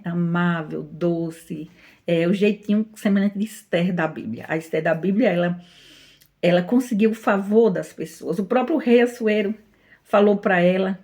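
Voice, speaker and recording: A middle-aged woman with a Brazilian Portuguese accent gives an informal devotional talk in a gentle, chatty way, often laughing as she speaks. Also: mid-range voice, vocal fry. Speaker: Christian teacher.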